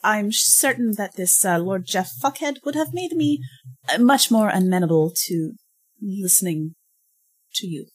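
A woman's voice: mid-range voice, lively intonation, unhurried, slightly rough, rough recording. A woman voicing a stiff older female government agent with a slipping French accent, formal and hesitant in a tabletop game. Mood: prim. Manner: formal and prim, with hesitant uh's. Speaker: player. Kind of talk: in-character tabletop roleplay.

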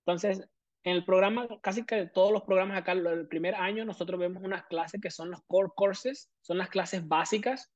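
A Venezuelan prosthodontist in his thirties, speaking with a Venezuelan accent, is a guest in a casual interview, explaining his career at length with many fillers. His voice sits high, with a steady tone and moderate pace. The recording is lo-fi with no echo.

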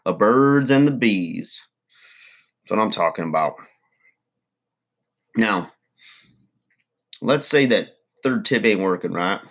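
Guy putting on a crude redneck uncle, low voice, rambling folksy drawl. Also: lively intonation, takes it slowly, pauses often, fairly bright tone, full character voice. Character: folksy rowdy redneck uncle, middle-aged man, crude and boastful. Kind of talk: comedy character monologue.

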